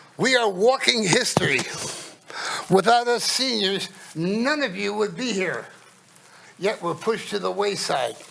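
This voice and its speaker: Over noticeable background noise and audible room echo, a man speaks fairly slowly in a high pitch with ordinary variation, leaving long, frequent pauses. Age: 70s. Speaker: public commenter, senior citizen. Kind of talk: public comment. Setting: city council meeting.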